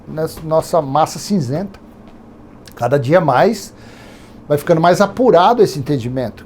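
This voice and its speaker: A man's voice: a little high, mellow, a little hiss or hum. A Brazilian man in his fifties with a Brazilian accent, teaching an informal Bible study in a rambling, conversational way full of digressions. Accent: Brazilian Portuguese. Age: 50s.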